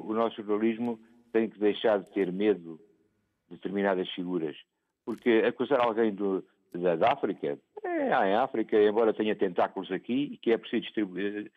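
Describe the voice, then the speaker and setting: A man phoning in to a TV talk show to give his opinion, talking haltingly with many fillers and restarts. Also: fairly low pitch, no room sound. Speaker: phone-in caller. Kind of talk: call-in opinion. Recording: tinny phone line.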